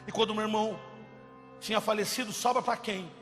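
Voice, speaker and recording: Guy preaching his testimony, really high bright voice, big echoey hall w soft music behind. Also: fairly even intonation, fairly quick. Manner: impassioned, swings from loud cries to hushed. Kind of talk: testimony sermon.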